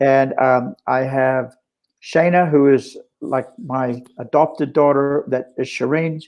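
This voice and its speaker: Speaking in an American accent, a man keeps his intonation fairly even. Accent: American, unchanged. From United States. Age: 60s. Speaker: contractor and family man. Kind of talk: casual interview chat. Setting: live video stream.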